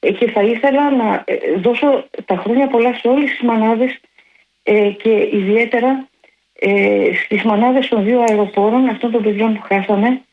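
A woman's voice: on the high side, steady tone. A woman calling a radio show, speaking earnestly and hesitantly, with many fillers. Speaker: caller. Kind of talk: phone-in call. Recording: muffled phone line with faint hiss.

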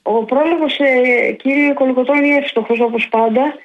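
A woman's voice: sits high, fairly even intonation. Earnest woman calling in by phone. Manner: earnest, hesitant with many fillers. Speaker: caller. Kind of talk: phone-in call. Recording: muffled phone line with faint hiss.

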